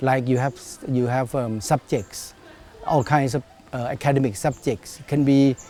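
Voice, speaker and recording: Over noticeable background noise, a man at a medium pitch speaks with fairly even intonation and big swings in loudness. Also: moderate pace. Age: 60s. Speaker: school director. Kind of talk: interview. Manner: halting, many fillers.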